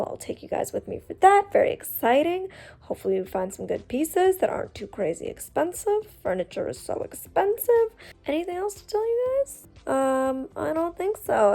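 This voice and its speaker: Chatty young woman with vocal fry. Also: on the high side, darkish tone. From Canada. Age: 20s. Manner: chatty, frequent "like" and "um" fillers. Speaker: vlogger. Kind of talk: casual vlog chat. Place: at home, then a furniture store.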